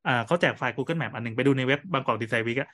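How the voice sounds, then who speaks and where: A man's voice: medium pitch, very fast, fairly bright tone. A man in his thirties co-hosting a podcast, chatting casually with friends in joking, slangy banter. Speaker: podcast co-host. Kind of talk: casual chat among friends.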